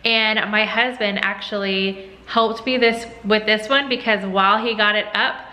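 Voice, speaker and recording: Bright, chatty woman cooking vlogger. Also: mid-range voice, steady tone, measured pace. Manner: chatty, upbeat, addresses viewers as y'all and guys. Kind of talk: casual cooking vlog. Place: home kitchen. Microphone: camera at close range.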